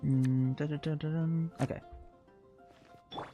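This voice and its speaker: A woman's voice: deep voice, fairly even intonation, unhurried, mellow, faint music behind. A woman livestreaming a game with casual, rambling, exclamatory commentary. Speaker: game streamer.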